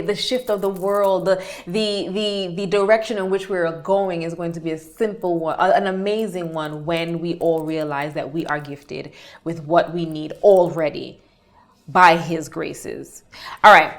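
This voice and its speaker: A woman's voice: lowish voice, fairly even intonation, measured pace. A woman hosting an interview, affirming and reflective as she asks her questions. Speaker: host. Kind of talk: interview talk.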